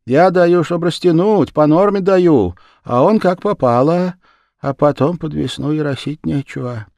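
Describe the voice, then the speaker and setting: Tired old mother, plaintive, slightly high, voiced by a male reader, close dry sound. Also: a little slow, gravelly, a little mellow, dry recording. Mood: complaining. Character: weary resigned old woman, mother.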